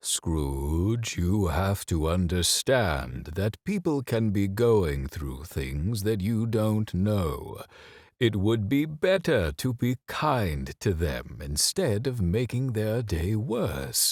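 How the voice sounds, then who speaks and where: A man uses a put-on character voice that is booming and fairly low in pitch. He speaks at a very slow pace with hardly any pauses. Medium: read story. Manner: bellowing.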